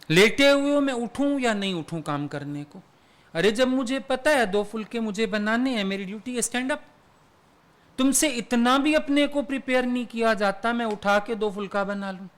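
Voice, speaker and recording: A man's voice: very high-pitched, a bit bright. A man giving a satsang sermon as a spiritual teacher, talking in a conversational, teasing way and dropping English words into his speech.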